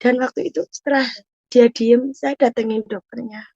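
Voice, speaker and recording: Woman telling her testimony, kinda high voice, dry muffled sound. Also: steady tone, moderate pace, vocal fry, warm tone, husky, no echo. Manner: earnest, addresses listeners as "saudara" constantly. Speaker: testimony guest. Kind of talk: emotional personal testimony. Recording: muffled dull audio.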